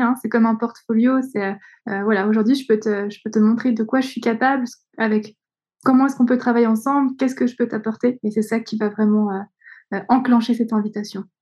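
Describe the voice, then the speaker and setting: The voice is somewhat breathy, with a dark, mellow tone. Its intonation stays monotone and flat. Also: woman. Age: 30s. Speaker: human design coach. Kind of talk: casual chat. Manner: hesitant, many fillers.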